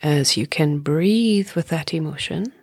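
A woman guides a meditation in a soft, breathy, lowish voice that often sinks close to a whisper. She speaks very slowly and calmly, leaving long pauses. The sound is close and dry. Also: no echo. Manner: calm, soothing, unhurried with long pauses. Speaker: meditation teacher.

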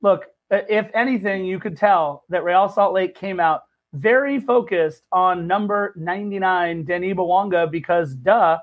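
A man's voice: high-pitched, narrow, tinny audio. A man co-hosting a casual sports podcast, wisecracking and teasing his co-host.

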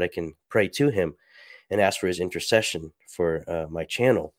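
Low, stuffy-sounding man speaking softly. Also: dry recording, clean studio sound. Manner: soft-spoken, halting with many fillers. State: stuffy, a little sick. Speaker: podcast host. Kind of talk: reflective solo talk and reading aloud.

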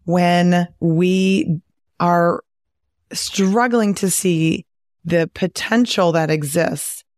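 A woman with a raspy, hoarse voice from a recent virus, hosting a podcast in a chatty, encouraging way with frequent laughs. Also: fairly low pitch, no echo, clean studio sound. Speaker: podcast host and weight loss coach. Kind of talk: casual podcast monologue.

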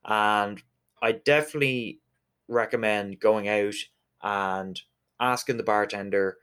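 A man's voice: fairly low pitch, steady tone, slow pace, a bit bright, clear, resonant tone. A man from Galway with a west of Ireland accent, explaining things conversationally as an interview guest. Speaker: interview guest, whiskey distillery representative.

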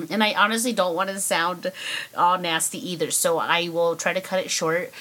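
A woman's voice: fairly low pitch, steady tone, moderate pace, a bit bright, poor audio. A woman hosting her own podcast, talking casually with many fillers while congested from a cold. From United States. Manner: chatty, rambling with many fillers. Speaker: podcast host. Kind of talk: casual solo podcast monologue.

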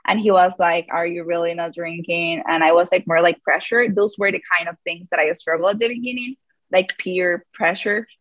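A woman's voice: lowish voice, steady tone, normal speed, a bit bright, no echo. Hesitant woman in her thirties. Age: 30s. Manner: hesitant, lots of fillers and restarts, laughs often. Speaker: guest, yoga teacher. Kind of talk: casual live-call interview.

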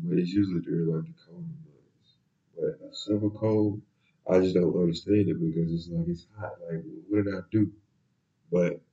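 A young man, stuffed up and nasal from a cold, telling stories in a relaxed, rambling podcast chat full of slang. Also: low-pitched, highs cut off. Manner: laid-back, rambling storytelling with slang. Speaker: podcast host. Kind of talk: casual solo podcast talk.

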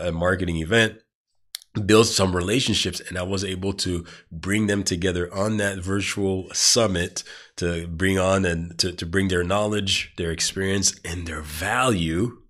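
A man with a very low, congested voice hosts his podcast alone. He rambles in a casual way, restarting sentences and leaning on fillers as he goes. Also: a bit bright. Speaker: podcast host. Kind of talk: casual monologue.

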